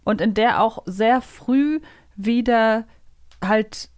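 A woman's voice: on the high side, takes it slowly, a little mellow, smooth, no room sound. Woman podcaster chatting, close dry sound. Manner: enthusiastic, thinks aloud in long winding sentences. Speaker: podcast host. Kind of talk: casual fan chat and quiz banter.

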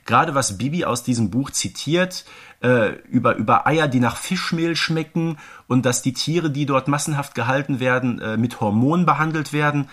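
A man's voice: medium pitch, moderate pace, fairly bright tone. A man co-hosting a casual fan podcast, chatty and given to playful asides. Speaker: podcast co-host.

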